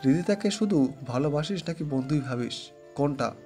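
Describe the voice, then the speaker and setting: A man's voice: fairly high pitch, lively intonation, normal speed, warm tone. A man playing a threatening, protective older-brother mafia boss in an audio story, speaking with commanding authority. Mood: menacing. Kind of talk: Bengali audio story voice acting. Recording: music under the voice.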